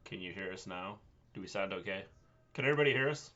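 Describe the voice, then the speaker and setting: A man's voice: low voice, animated, quick pace, sharp tone, far from the mic. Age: adult. Sex: man. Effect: tinny, metallic, echoey mic sound. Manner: bantering. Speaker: podcast host. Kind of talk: casual live-stream chat. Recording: dull, tinny live-stream audio with echo.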